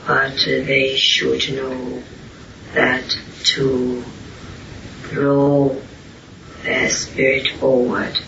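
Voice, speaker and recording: A man speaking as a spiritual teacher, answering questions solemnly and deliberately in halting short phrases. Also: mid-range voice, monotone, gravelly. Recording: roomy, distant, muffled, hissy amateur recording.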